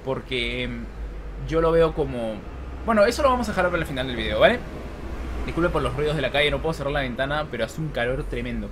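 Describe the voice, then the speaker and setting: A man's voice: medium pitch, animated, fast. A man in his twenties talking casually to camera like a gaming vlogger, explaining things step by step. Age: 20s. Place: small room at home with open window. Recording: clear background noise from street, open window.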